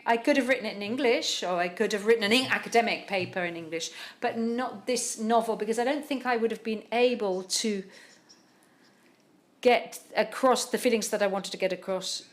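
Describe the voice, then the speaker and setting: Halting woman interpreting a talk. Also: medium pitch. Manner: halting, many pauses and restarts.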